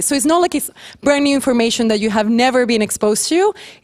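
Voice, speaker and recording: A woman's high voice rises and falls in very wide pitch swings. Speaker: trainer from an advocacy group. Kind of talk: workplace training presentation. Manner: talks fast when excited; casual, uses fillers like 'um' and 'like'.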